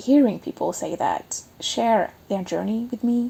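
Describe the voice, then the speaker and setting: Breathing slightly into her words, a woman speaks at a fairly slow pace with a dark, mellow tone. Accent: French. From France. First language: French. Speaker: podcast host. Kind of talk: podcast monologue. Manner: animated.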